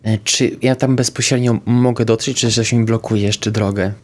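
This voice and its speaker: A man playing a tabletop vampire game, calmly describing his character's actions. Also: mid-range voice, moderate pace. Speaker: player.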